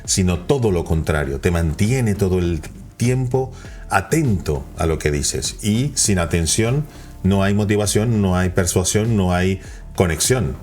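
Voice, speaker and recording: A man with a low, deep voice gives a lesson on how to persuade. He speeds up and slows down, lifting and dropping his tone to stress key ideas, with soft music under him. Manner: lively, varies pitch and pace for emphasis. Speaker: communication coach. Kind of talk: instructional talk on persuasion.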